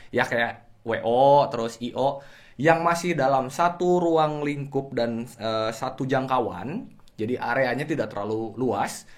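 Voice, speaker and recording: Slangy, expressive Jakarta man giving his opinion. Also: mid-range voice. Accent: Indonesian, Jakarta colloquial. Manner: slangy, joking, expressive with uneven emphasis. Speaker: guest commentator. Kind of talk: casual chat, explanatory opinion.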